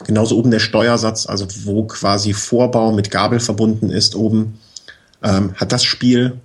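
A man's voice: fairly low pitch, moderate pace, husky. A man giving practical advice as a guest in a casual chat, explaining step by step and often checking in with short tag questions. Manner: relaxed, explains step by step, frequent "ne?" tags and fillers. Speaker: bicycle expert guest.

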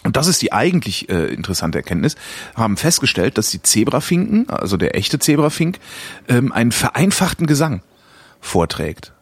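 A man in casual chat, telling a story with lively energy and often searching for words. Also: mid-range voice, brisk, breathy edge, no echo.

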